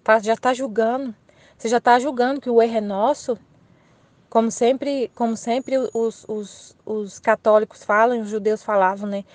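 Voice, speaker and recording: A Brazilian woman comments earnestly on a religious text for her Catholic channel, talking informally and repeating her points. Her voice sits fairly high. The recording is dry and close. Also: steady tone, normal speed, darkish tone, dry recording.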